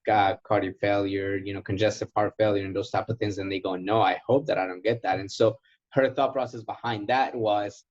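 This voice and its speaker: A man with a fairly low voice and native Spanish, originally from Ecuador. He coaches informally as a sales trainer, driving points home by repeating them. The audio is somewhat dull and muffled. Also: fairly even intonation, fairly quick, a little mellow. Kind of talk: informal coaching in a question and answer session.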